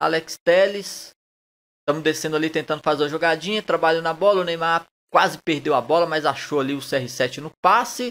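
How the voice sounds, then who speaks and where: In a Brazilian accent, a man speaks at a moderate pace with a fairly high pitch and ordinary pitch variation. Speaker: gaming youtuber. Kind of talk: live sports-game commentary while playing. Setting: gameplay recording with face cam. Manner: casual, informal, chatty.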